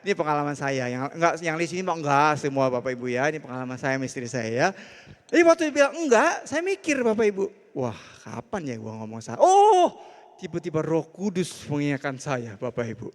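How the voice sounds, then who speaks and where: A man's voice: fairly high pitch, quick pace. A middle-aged man, preaching a casual, jokey sermon as a pastor. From Indonesia. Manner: animated, conversational, jokey. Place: church hall. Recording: hall reverb.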